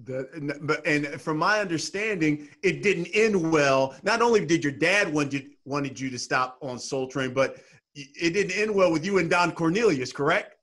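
A man's voice: a little high, expressive, normal speed, fairly bright tone. A man hosting a podcast interview who laughs often and reads an ad. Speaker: podcast host. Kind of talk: casual interview.

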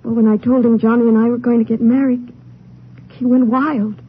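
A woman's voice: on the high side, level tone, moderate pace, husky. A woman playing an earnest, anxious, lovestruck young Mexican girl in a 1950s radio drama, pleading and emotional. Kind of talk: 1950s American radio melodrama acting. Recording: tinny, noisy vintage radio recording.

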